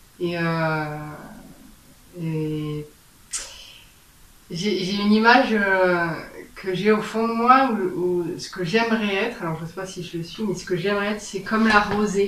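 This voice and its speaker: A woman at a fairly slow pace, with long, frequent pauses, big swings in loudness, ordinary pitch variation and noticeable background noise. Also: medium pitch for a woman. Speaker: storyteller and author. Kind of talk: interview answer. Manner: hesitant, reflective.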